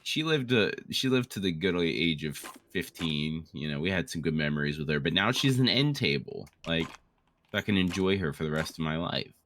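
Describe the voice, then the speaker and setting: A man's voice: deep voice, animated, moderate pace, fairly bright tone, a little hiss or hum. A man co-hosting casual gameplay chat, telling rambling, sweary stories. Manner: rambling, profane storytelling. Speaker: gaming co-host.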